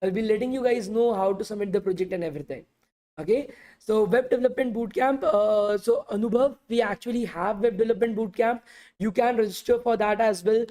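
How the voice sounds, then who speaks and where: A woman teaching a live online coding bootcamp, talking conversationally with frequent filler pauses and reading out student questions. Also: mid-range voice, mellow. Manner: conversational, many filler pauses, repeats invitations to ask. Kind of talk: live online class, answering chat questions.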